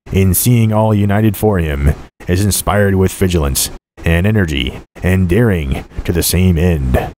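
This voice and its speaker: A man reads a historical political speech aloud as formal oratory, with measured, deliberate phrasing. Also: low voice, a little mellow, a little hiss or hum.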